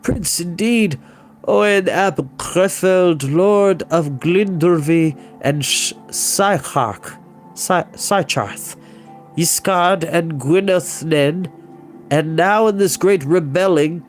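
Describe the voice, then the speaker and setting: A man voicing a frail old male bard with a soft, lisping voice and a lilting, passionate way of speaking. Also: high-pitched.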